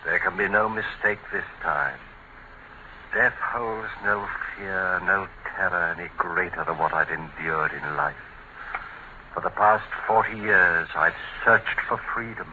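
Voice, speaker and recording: An actor playing a tormented older man narrating his crime in a 1940s radio drama, slow and brooding. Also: low voice. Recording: noisy muffled 1940s radio broadcast.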